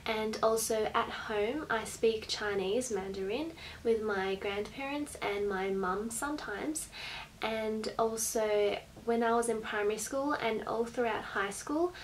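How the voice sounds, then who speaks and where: A young woman from Australia with an Australian accent, chatting to camera in a small bedroom in a friendly way with soft laughs. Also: a little high, a little slow, a little hiss or hum, rough recording. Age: young adult. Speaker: vlogger. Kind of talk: casual talk to camera. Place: small bright bedroom, indoors. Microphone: camera at desk distance.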